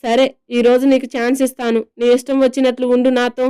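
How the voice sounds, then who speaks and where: A woman voicing a patient, amused young husband who asks gentle, puzzled questions. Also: high-pitched, little pitch movement, a little fast, smooth, no room sound, clean studio sound, lightly acted. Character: patient, amused young husband caring for his tipsy wife.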